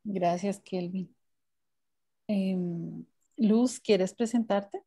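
A woman's voice: mid-range voice, extremely slow, mellow. A woman hosting a video call talk, introducing her guests with eager interest. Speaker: host, moderator. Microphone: headphones on video call.

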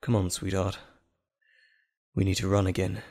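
A man's voice: sits low, completely flat delivery, moderate pace, a little mellow. A man playing an anxious, caring doctor in an audio drama, earnest and soothing.

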